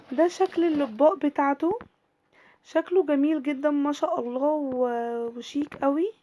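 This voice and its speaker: A young woman vlogger with an Egyptian accent, chatting casually at home while showing her things, her voice tired from a recent illness, full of drawn-out fillers and restarts, filmed on a handheld camera. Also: sits high, darkish tone. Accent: Egyptian Arabic. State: tired voice, still recovering from illness. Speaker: lifestyle vlogger. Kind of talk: casual product showcase chat.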